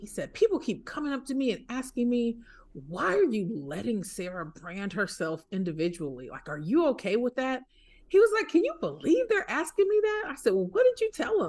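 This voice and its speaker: A woman's voice with very wide pitch swings, big shifts in loudness and a fairly quick pace. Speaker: lawyer and author. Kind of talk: casual interview.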